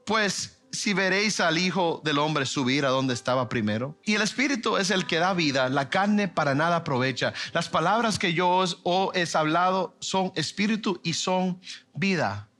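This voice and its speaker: A man preaching a sermon in a church, emphatic, swinging between loud questions and quiet asides. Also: medium pitch. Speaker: pastor.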